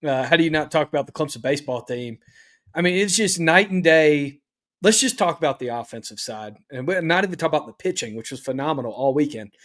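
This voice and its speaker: Easygoing sports co-host, slightly high voice. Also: male voice, lively intonation, fairly bright tone. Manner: measured, agreeable, many "uh" fillers. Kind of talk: casual sports chat.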